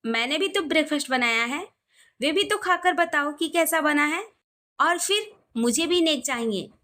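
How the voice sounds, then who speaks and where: A woman's voice: high voice, expressive, moderate pace, bright, forceful tone. A woman reading the part of a playful, boyish young husband who sulks a little. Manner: sulky, boyish.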